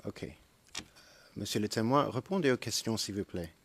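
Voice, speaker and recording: A man's voice: lowish voice, normal speed, slight background noise. A man cross-examining a witness in a courtroom, asking pointed leading questions.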